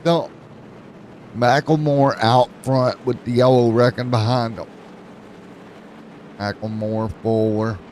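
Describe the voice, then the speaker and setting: A man's voice: medium pitch, fairly even intonation, slow pace, pauses often, darkish tone, a little hiss or hum, low-quality recording. A man calling an esports race, with jokes and rambling play-by-play. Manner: joking, rambling play-by-play with fillers. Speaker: race commentator.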